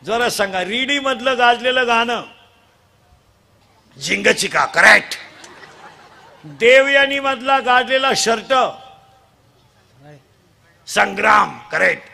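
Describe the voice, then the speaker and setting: High-pitched teasing preacher. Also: male voice, animated, takes it slowly, vocal fry, pauses often, slight background noise. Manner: teasing, quizzing the children and demanding loud answers; bursts into shouts at times. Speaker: kirtan preacher. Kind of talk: comic kirtan sermon to a live crowd. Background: audience sounds.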